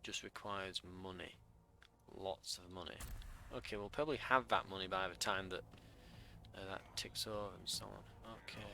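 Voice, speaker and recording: A man's voice: low-pitched, steady tone, normal speed, creaky, sharp tone, a little hiss or hum. A man giving casual let's play commentary, thinking aloud in a wry way.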